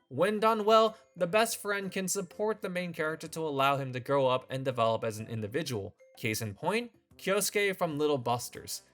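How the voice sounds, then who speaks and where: A man's voice: a little high, a bit bright. A man hosting a scripted commentary video, opinionated with a wry, sarcastic edge. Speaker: video essay host.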